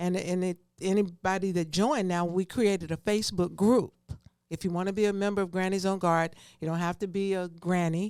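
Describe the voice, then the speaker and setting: Fairly quick speech with a Southern US accent and fairly even intonation, in a very clean recording with a silent background. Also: woman, medium pitch for a woman. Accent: US South. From Columbus, Georgia. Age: 70s. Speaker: radio personality and community organizer. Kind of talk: casual interview.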